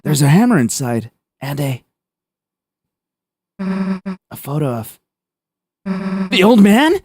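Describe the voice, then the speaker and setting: A man voicing a brash, rough-talking monster girl from a game, blunt and swearing. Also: on the high side, expressive, dark tone, pitched above the performer's own voice, heavily acted. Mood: gruff, puzzled. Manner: blunt, swears, slow gruff delivery. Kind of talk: voicing game dialogue on stream.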